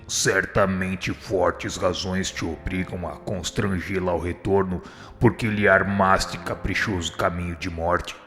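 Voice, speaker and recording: A man playing a gentle, humble spirit instructor in a radio drama, speaking with serene firmness in solemn, formal appeals. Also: sits low, steady tone, unhurried. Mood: compassionate pleading. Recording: long hall reverb, faint music. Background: faint music.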